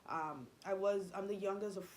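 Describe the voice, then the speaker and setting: A young woman, native in Spanish, shares a personal story as a vlogger, rambling and confiding with lots of fillers and restarts. Her voice is medium-pitched and a little mellow, at a normal speed, with slight background noise.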